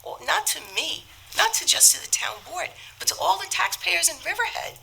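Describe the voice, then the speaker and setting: A woman on a town board, hoarse and losing her voice from a cold, speaking forcefully and indignantly in a public meeting debate. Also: very high-pitched, lively intonation, fairly quick, slight background noise, rough recording. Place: town hall meeting room.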